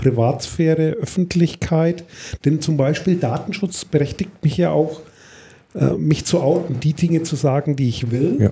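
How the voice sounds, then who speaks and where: A man with a fairly high pitch and a dark, mellow tone at a fairly slow pace with ordinary pitch variation. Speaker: podcast co-host on data protection. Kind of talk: casual chat.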